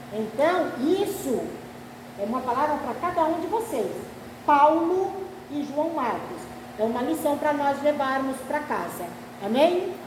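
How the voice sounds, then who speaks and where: Her high voice comes at a fairly slow pace, broken by long, frequent pauses. Audible room echo and noticeable background noise surround the woman. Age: 60s. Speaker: Bible teacher. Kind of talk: lecture.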